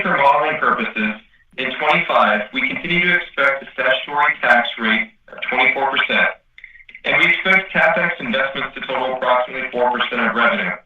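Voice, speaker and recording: A man's voice: mid-range voice, bright, forceful tone, far from the mic. A man reading a scripted financial presentation as an executive on an earnings call, formal and businesslike. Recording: echoey, dull conference call line.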